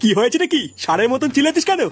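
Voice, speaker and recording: পুরুষের গলায় খিটখিটে, দ্রুতভাষী কার্টুন দাদু. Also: male voice, very high voice, expressive, rapid-fire. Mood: gruff, dismissive. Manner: scolding, dismissive, crude. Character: grumpy, foul-mouthed old grandfather and husband. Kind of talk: comic cartoon dialogue. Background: faint music.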